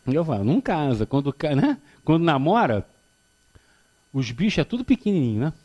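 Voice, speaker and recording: Carioca guy in his 50s giving a spiritist talk, voice kinda high, swings up and down a lot, jokey storyteller. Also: moderate pace. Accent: Carioca Brazilian Portuguese. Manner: animated, joking storyteller who acts out dialogue. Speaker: spiritist lecturer. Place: lecture hall before an audience.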